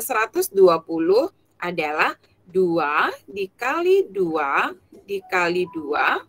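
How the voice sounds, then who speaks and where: A woman's voice: medium pitch, fairly bright tone. A woman teaching an online class over a video call. Her audio is choppy and glitching, and she patiently asks the class questions and repeats their answers. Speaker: primary school teacher.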